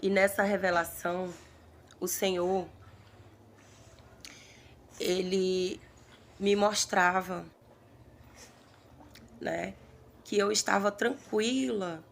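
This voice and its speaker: Woman, gravelly voice, earnest halting preaching, faint background hiss. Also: medium pitch, steady tone. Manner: earnest, halting, repeats phrases. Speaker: prophetic preacher. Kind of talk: recounting a prophetic vision.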